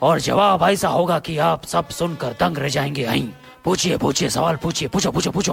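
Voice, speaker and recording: A man's put-on character voice, fairly high in pitch, at a moderate pace with clear music in the background. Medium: stage play. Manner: casual Mumbai-style slang.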